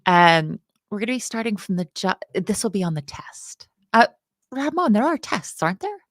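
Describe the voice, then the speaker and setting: A woman's voice: medium pitch, very animated, moderate pace, dry recording, studio quality. A woman from the UK, teaching a casual coding lesson in a playful, chatty, self-deprecating way.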